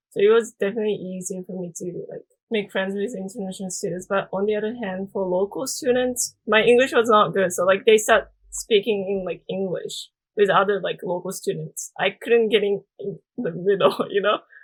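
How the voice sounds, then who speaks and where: With a Japanese accent, a woman speaks at a medium pitch and a moderate pace, her intonation fairly even while her loudness swings widely. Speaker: office worker. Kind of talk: casual chat.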